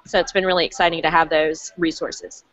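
Female teacher, mid-pitched, casual call chat, many ums, dull web audio. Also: flat delivery, fairly quick, a bit bright. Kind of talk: casual video-call discussion. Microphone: video call.

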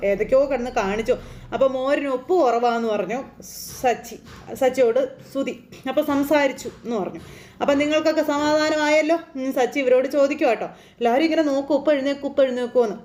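A woman from Kerala, India, recaps a TV serial episode in an animated, chatty way. Her voice sits high, and she talks very fast, tossing in casual asides as she goes. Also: slight background noise. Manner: animated, chatty, tag questions. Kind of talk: casual plot retelling.

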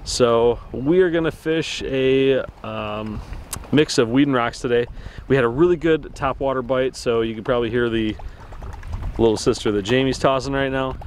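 Guy hosting a fishing vlog from his boat, easygoing mid-pitch voice, lots of uhs, light boat hum behind. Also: moderate pace. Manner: upbeat, joking, with frequent fillers. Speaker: fishing channel host. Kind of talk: casual vlog talk to camera. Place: outdoors on a boat on a lake.

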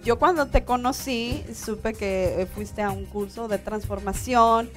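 A woman's voice: fairly high pitch, unhurried, faint music behind. Chatty Mexican woman hosting a studio interview. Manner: laughs often, warm and chatty. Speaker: talk show host. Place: small TV studio.

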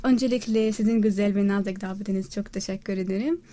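Mellow young Palestinian woman, halting broken Turkish. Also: mid-range voice, steady tone. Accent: Palestinian Arabic. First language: not Turkish. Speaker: student guest. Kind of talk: interview answers.

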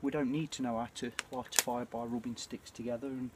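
A British man in his forties chatting casually and reflectively to camera, with a hesitant, throat-clearing delivery. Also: medium pitch, fairly even intonation, a little fast. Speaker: bushcraft vlogger. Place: outdoors at night by a small campfire. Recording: clear ambient noise of an outdoor campfire.

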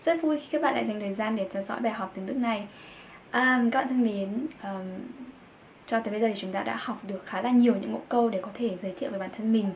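A young woman teaching German to learners, explaining things and repeating each word slowly. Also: on the high side. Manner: explains in Vietnamese, says German words slowly and repeats them. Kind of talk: language lesson for Vietnamese learners. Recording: echoey room with faint background noise.

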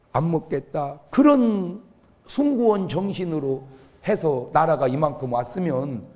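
A male pastor delivering a humorous revival sermon, telling stories and acting out the quotes. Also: on the high side. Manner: lively storytelling with acted-out quotes. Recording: long reverb of a church hall.

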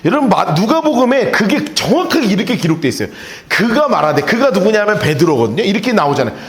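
A middle-aged male pastor preaching a sermon, chatty and animated, with laughing asides to the congregation. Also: sits high, fast talker. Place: church sanctuary. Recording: roomy church reverb.

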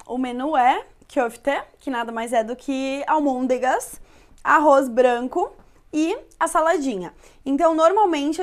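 A young woman hosting a casual home cooking show, chatty, often checking in with listeners. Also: high voice. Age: young adult. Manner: chatty, with filler "tá?" tags. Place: home kitchen and living room, indoors.

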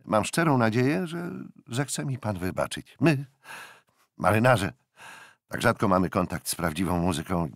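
A man's voice: low voice, gravelly, breathy edge, dry recording, clean studio sound, exaggerated voice. Jack Aubrey, hearty sea captain, voiced by a man. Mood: apologetic. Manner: loud, jovial, breaks into laughter. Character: hearty young male naval captain, boisterous.

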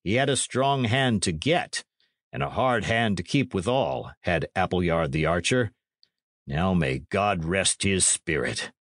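A man's voice: low-pitched, animated, measured pace, fairly bright tone, dry recording, studio quality, full character voice. A man voicing a blunt, cheerfully grasping medieval soldier in an audiobook, with plain-spoken archaic speech. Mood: covetous, musing.

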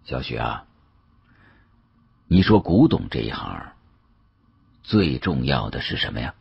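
A grave older male official , acted by a male audiobook narrator, speaks with slow weight and knowing authority. The voice is extremely low and badly husked. He lectures cryptically, in a close, dry recording. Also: big pitch swings, creaky, slightly rough, no room sound, highs cut off, full character voice. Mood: grave, probing.

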